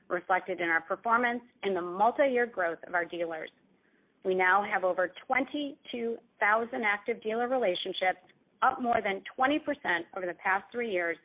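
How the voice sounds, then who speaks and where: Woman executive on dull conference call audio. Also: medium pitch. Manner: formal, measured corporate delivery. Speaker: company executive presenting financial results. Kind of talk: scripted earnings call presentation.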